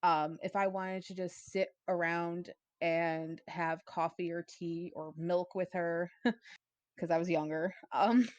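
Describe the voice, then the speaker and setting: A woman's voice: on the low side, steady tone, slow pace, darkish tone, dry recording, muffled recording. A woman co-hosting a podcast in casual chat, thinking aloud in a hesitant, reflective way. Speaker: podcast co-host. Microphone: headset.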